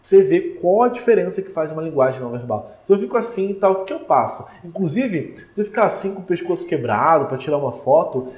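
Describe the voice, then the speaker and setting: A man from Brazil speaks as a relationship coach in a lively, emphatic direct-to-camera talk. His voice sits slightly high, and the room adds a noticeable echo. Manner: energetic, emphatic, addresses viewer directly.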